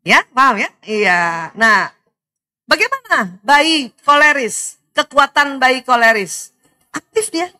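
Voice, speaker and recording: A middle-aged woman lecturing to mothers in a lively seminar talk. She laughs often and keeps asking the audience questions. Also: high-pitched, takes it slowly.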